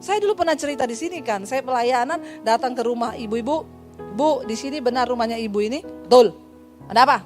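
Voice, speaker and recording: A woman pastor with an Indonesian accent preaching a sermon, telling stories lively and acting out the voices of the people in them with humorous asides. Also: on the high side, fairly quick, soft background music. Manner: lively storytelling, acts out dialogue, humorous asides.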